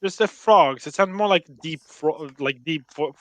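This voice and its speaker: A man's voice: fairly high pitch, measured pace, fairly bright tone, no room sound. A man running a tabletop game as game master, narrating casually and talking with the players.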